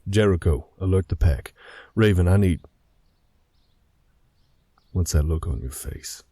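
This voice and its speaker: A man voicing a stern, protective male werewolf pack leader in a fan audio drama, with a husky, gravelly voice and a firm, measured delivery. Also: low voice, warm tone, no room sound, studio quality.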